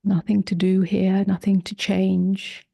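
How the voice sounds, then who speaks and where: A woman leading a guided meditation, speaking softly in short phrases with long pauses, gentle and often close to a whisper. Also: medium pitch, little pitch movement. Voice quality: soft, breathy, husky, often near a whisper. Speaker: meditation teacher.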